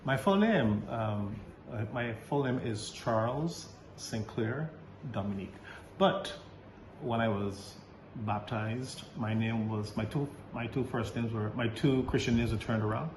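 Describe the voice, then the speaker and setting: A man in his fifties, a Catholic priest, answering interview questions in a halting way with many restarts and easy laughs. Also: mid-range voice. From Barbados. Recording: roomy recording with faint background noise.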